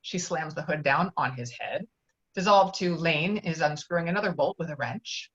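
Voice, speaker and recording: A woman's voice: deep voice, moderate pace, fairly bright tone, lo-fi sound. A woman narrating stage directions in an amateur script table read over a video call.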